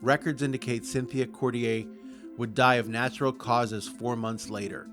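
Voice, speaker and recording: A man's voice: mid-range voice, fairly even intonation, over music. Man casually reading a document on a podcast. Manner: reads haltingly, stumbles over words, laughs often. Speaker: podcast host.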